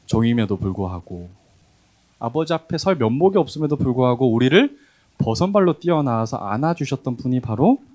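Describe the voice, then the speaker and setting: A man preaching a sermon, acting out the quoted voices with animated emphasis. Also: medium pitch, brisk. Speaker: pastor.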